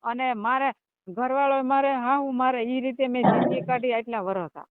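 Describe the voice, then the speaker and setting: A woman's voice: high voice, fairly even intonation, moderate pace, clear, resonant tone. A middle-aged woman with a Kathiyawadi Gujarati accent, speaking plaintively and informally as a caller on the phone. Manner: plaintive, recounting hardships. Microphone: phone call. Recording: band-limited phone call recording.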